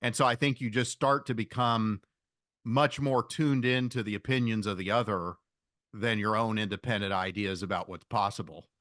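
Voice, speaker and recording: A man giving reflective interview answers as a podcast guest, thoughtful and halting, rephrasing as he goes. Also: on the low side, fairly even intonation, a bit bright, no echo, studio quality.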